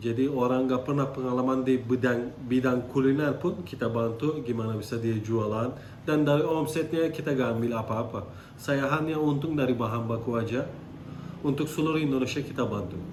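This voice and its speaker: Amid noticeable background noise and audible room echo, a man with a Turkish accent speaks fairly quickly at a medium pitch with ordinary pitch variation. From Turkey. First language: Turkish (speaking Indonesian). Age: 30s. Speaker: business owner. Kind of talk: interview.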